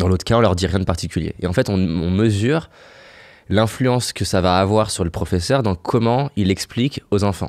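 A man speaks at a very even loudness with ordinary pitch variation. The background is quiet. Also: fairly low pitch for a man, moderate pace. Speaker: podcast interviewer. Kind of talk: casual interview chat. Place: studio. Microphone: studio mic.

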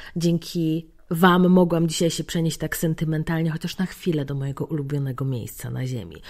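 A woman speaks at a fairly quick pace and a fairly low pitch, with ordinary pitch variation. The recording is very clean, with a silent background. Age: 30s. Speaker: podcast host. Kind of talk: storytelling monologue.

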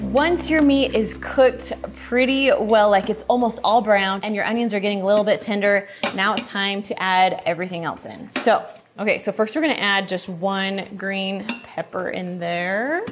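Speech at a moderate pace with ordinary pitch variation, over music in the background. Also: woman. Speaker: cooking video host. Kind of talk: tutorial. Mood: cheerful, upbeat. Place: kitchen. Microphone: lapel.

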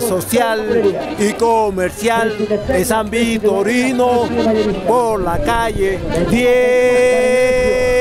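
Very slow speech against loud background music. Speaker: street musician filming himself passing. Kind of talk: casual talk to camera. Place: market. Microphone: phone near.

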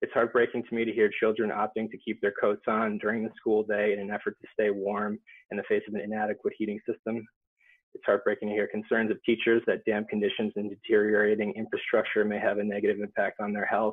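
A man at a very fast pace against a quiet background. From Massachusetts. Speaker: school committee candidate. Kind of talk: formal candidate interview answers. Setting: video call. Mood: earnest, measured. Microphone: video call.

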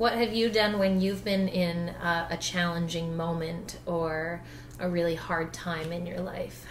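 Over noticeable background noise, the speaker talks fairly slowly with a Canadian accent and a monotone, flat intonation. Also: woman. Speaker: podcast co-host and performer. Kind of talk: casual chat.

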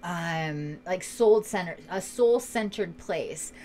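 A woman speaks with ordinary pitch variation over light background noise. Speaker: tarot reader. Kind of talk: casual tarot reading chat. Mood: warm, upbeat. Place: home room.

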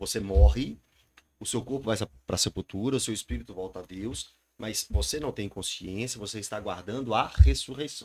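Over light background noise, a man with vocal fry talks at a moderate pace. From Brazil. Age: 30s. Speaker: pastor. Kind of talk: casual interview. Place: studio. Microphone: studio mic.

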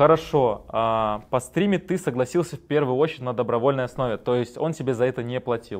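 A man's fairly quick speech with ordinary pitch variation. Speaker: YouTube show host. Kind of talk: interview conversation. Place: studio.

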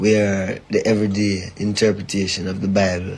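A man talks at a fairly low pitch in a monotone, flat delivery. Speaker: interviewee. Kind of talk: interview answer. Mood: calm, earnest. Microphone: old recording.

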